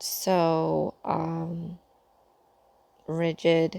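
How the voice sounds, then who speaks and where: In a very clean recording with a silent background, a woman speaks in a fairly low, dark, mellow voice with a dry, close sound and no echo. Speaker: nail art hobbyist vlogger. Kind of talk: tutorial. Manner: hesitant with many fillers.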